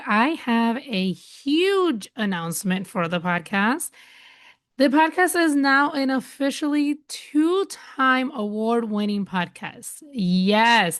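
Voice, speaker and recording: Enthusiastic woman host on her podcast, dry close mic, mid-pitched voice. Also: no echo. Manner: upbeat and enthusiastic. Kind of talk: podcast hosting and interviewing.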